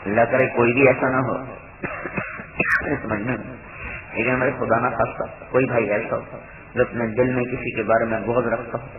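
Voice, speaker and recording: A man's voice: little pitch movement, pauses often, background noise. A man preaches a sermon, earnest and exhorting, and often slips into quoting the people in his stories. His voice comes through a narrow, phone-like sound. The recording carries a strong room echo. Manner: earnest, exhorting, retells stories with quoted speech. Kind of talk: sermon to a gathering. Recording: tinny, roomy low-quality recording.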